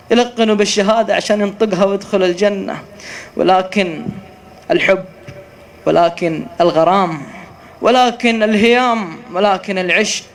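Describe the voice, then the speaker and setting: A male preacher tells a cautionary tale in a notably high voice. He climbs to loud, urgent peaks and then drops to near-whispers. His sermon storytelling is emotional and dramatic. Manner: emotional, swings between rising shouts and hushed lines.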